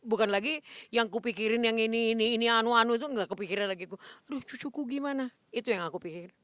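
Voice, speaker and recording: An older woman in a casual interview, animated and acting out her reactions, with frequent coughs. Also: on the high side, very fast, dry recording.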